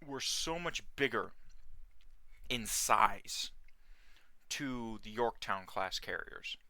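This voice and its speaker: A man giving casual, unhurried let's play commentary in a slightly hoarse, sore voice, recorded as a voice-over. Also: lowish voice, lively intonation, bright, forceful tone, no room sound. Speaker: host of a video game series. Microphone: close dry mic, gameplay voice-over.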